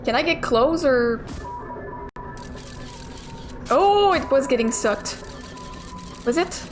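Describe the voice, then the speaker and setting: A young woman casually commenting and thinking aloud while playing a video game, swearing now and then. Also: a little high. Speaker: gamer playing through a game. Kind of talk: casual let's play commentary. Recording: game music playing clearly behind. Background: game music.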